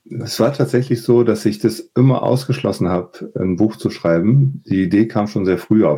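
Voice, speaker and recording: A man speaks in a plain, everyday voice with a fairly low pitch. His intonation is lively, his pace moderate, and he hardly pauses. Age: 50s. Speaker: author. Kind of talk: interview.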